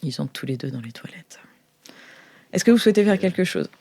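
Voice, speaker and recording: A woman's voice: lowish voice, big pitch swings, brisk, dark tone. A woman improvising narration as game master of a tabletop role-playing game.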